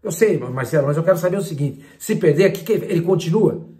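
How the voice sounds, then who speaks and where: Animated Brazilian man telling a story. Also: a little high, brisk. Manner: animated storytelling, retelling conversations. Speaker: sports journalist and commentator. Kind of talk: casual talk-to-camera commentary.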